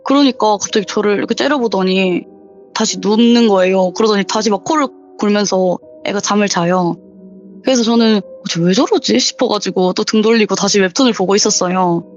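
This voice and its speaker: A young woman in a casual interview, chattily telling a true horror story and acting out the quoted lines with sudden rises in pitch. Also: a little fast. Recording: dull lo-fi sound with faint background music.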